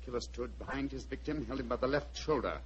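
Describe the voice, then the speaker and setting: A man playing Sherlock Holmes as a calm, probing detective, with courteous, insistent speech, in 1940s radio drama style heard on an old broadcast recording. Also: medium pitch, quick pace. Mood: hushed, methodical. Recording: dull lo-fi vintage radio broadcast.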